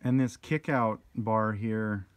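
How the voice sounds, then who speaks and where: A man's voice: lowish voice, steady tone, takes it slowly, smooth, no echo. A man touring an outdoor sawmill, asking curious, easily impressed questions into a handheld phone camera. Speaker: video host touring a sawmill. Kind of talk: casual on-site questions.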